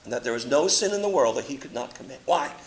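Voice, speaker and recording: A man preaching a sermon, rising into loud, impassioned quotations and dropping into low, quiet asides. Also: animated, quick pace, low-quality recording.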